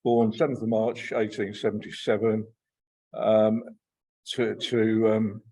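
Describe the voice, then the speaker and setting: Halting Black Country man, lecturing. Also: on the low side, flat delivery, warm tone, breathy edge. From Black Country, England. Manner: hesitant, many fillers and repeated words. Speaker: guest lecturer. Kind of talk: informal talk to a local society.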